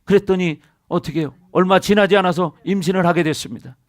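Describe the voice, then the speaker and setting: A man's voice: high voice, quick pace, dry recording, clean studio sound. A middle-aged male pastor preaching a sermon in a church, calling out to the congregation and drawing responses from them. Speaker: senior pastor. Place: church sanctuary.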